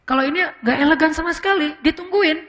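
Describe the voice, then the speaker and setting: A man preaching in a casual, conversational lecture, with frequent fillers and English words mixed in. He slows into a solemn voice when acting out quoted speech. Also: very high-pitched, sharp tone, long reverb tail. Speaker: Islamic preacher.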